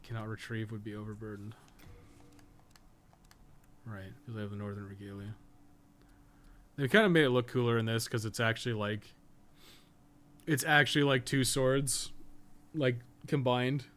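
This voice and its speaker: Pausing often, a man with a mid-range, fairly bright voice keeps his intonation fairly even and his pace moderate. He's a podcast co-host gaming on a live stream, giving loose, rambling commentary full of swearing and muttered asides to himself.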